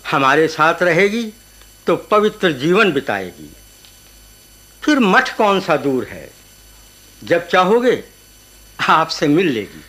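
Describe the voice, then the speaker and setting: A solemn Hindu holy man addresses his devotees in a sonorous, preachy way. His voice is high for a man and bright, with a pious weight in every phrase. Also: sing-song, slow pace, long pauses, full character voice. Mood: calm persuasion. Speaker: radio actor. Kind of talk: radio drama, sermon-like delivery.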